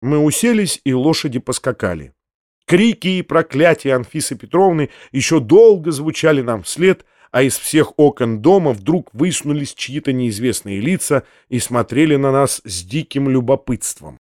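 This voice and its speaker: A man reading a classic novel aloud in measured literary narration. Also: mid-range voice, lively intonation, a little mellow, no room sound, clean studio sound. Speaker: audiobook narrator.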